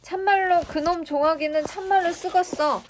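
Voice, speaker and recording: A woman's voice: very high voice, fairly even intonation, normal speed, slight background noise, voice pushed up. A woman voicing a domineering old rich grandfather with a Jeolla accent who nags and bullies his grandsons. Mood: boastful. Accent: Jeolla dialect. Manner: nagging, bullying, scolding. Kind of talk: dramatic reading of a novel.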